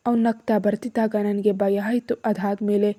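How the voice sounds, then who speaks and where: Scared young student read by a woman narrator, soft pleading tone, mellow voice. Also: medium pitch, little pitch movement, moderate pace, close to an everyday voice. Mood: tearful.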